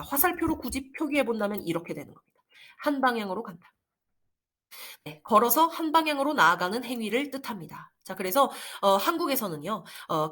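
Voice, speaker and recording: A woman teaches a language lesson with patient, step-by-step explanations, checking in with her listeners again and again. Her voice moves up and down a lot, with a mid pitch for a woman. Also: a bit bright. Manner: patient, checks in often with rhetorical questions. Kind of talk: online grammar lesson.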